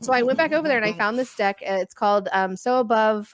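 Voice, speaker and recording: Very clean with a silent background, the recording captures a woman with a fairly high pitch talking at a very fast pace. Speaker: podcast guest. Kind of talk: casual chat. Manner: loud; animated.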